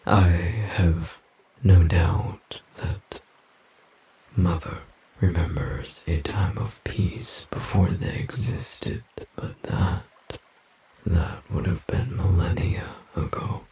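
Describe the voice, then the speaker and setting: A man playing an ancient, solemn forest demon guardian in an audio roleplay, speaking formally and gravely in a gravelly, breathy, husky whisper. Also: sits low, mellow, low-quality recording. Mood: solemn, brooding. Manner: slow, formal, grave, measured.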